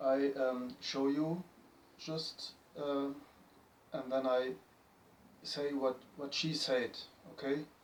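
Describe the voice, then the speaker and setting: A man with a German accent, very slow and fairly high-pitched, monotone and flat, with long, frequent pauses. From Germany. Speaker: video blogger. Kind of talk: direct-to-camera monologue. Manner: halting.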